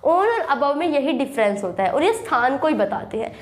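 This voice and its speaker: A young woman, teaching English grammar in a classroom style with a sore throat, repeating points and reading example sentences slowly. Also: high voice, sing-song. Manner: repetitive, checks understanding with "thik hai". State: sore throat with a slight cough. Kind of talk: classroom lesson, explaining with examples.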